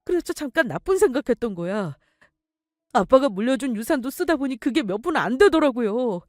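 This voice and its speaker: A woman's voice: high-pitched, very animated, a little fast, a little mellow, no echo, studio quality, pitched above the performer's own voice. A woman voicing a whiny, greedy grown son who protests and pleads in a dramatic story reading. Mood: pleading. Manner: whining and pleading.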